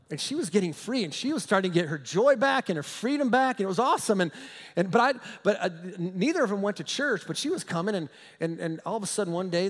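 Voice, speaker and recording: A man's voice: sits high, big-room sound. A man preaching a sermon as pastor, telling stories emphatically with frequent chuckles.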